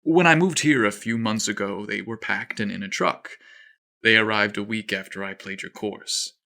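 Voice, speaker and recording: A man's voice: fairly low pitch, normal speed, pushed and bright. A man voicing a shy, awkward young gay golfer in a story, timid and hesitant. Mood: timid, confessing.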